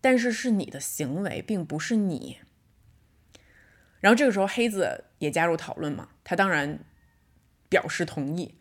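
A woman's voice: lowish voice, expressive. Woman in her thirties hosting a podcast. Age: 30s. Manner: reflective storytelling, slows down to stress points. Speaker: podcast host. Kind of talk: casual solo podcast monologue.

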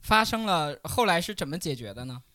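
A man hosting a casual podcast chat, teasing his guests and quick to chime in. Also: on the high side, sing-song, sharp tone, no room sound, clean studio sound. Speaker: podcast host.

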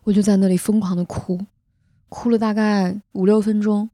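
A young woman hosts a podcast and tells a personal story in an earnest, heartfelt way. Her voice has a mellow, soft tone at a middle pitch. It sounds close and dry, with almost no room echo. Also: little pitch movement, moderate pace. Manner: earnest, emotional retelling with vivid detail. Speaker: podcast host. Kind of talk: casual storytelling chat.

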